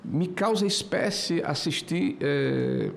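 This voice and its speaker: A man in his sixties giving a committee floor speech, hesitant with many filler pauses, building to emphatic indignation. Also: fairly high pitch, animated, vocal fry, slight background noise. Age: 60s. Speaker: senator. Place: senate committee room.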